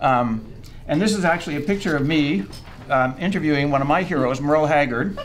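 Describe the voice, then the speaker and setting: With a Canadian accent, a man talks at a fairly quick pace in a fairly high voice with lively intonation, amid audible room echo and noticeable background noise. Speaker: radio documentary maker. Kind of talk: lecture. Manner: fast.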